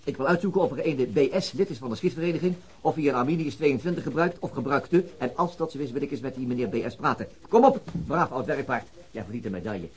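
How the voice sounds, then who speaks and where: An actor playing a weary, brooding, middle-aged police detective in a radio drama, with reflective, halting phrasing. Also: male voice, medium pitch, animated, darkish tone, natural voice. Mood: brisk, forceful. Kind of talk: naturalistic Dutch radio drama acting.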